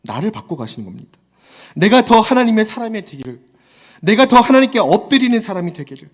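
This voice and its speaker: A man in his thirties preaching a Sunday sermon, his high voice swinging widely as he builds to fervent exhortation. He acts out little quotes along the way. Long reverb from a large church hall hangs on every line.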